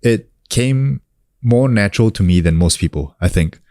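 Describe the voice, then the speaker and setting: A very low-voiced man in his thirties from New Zealand talks through a casual interview. He keeps it relaxed, leaning on fillers and restarting his sentences. The sound is dry and close. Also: moderate pace, dry recording. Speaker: guest, actor and coach.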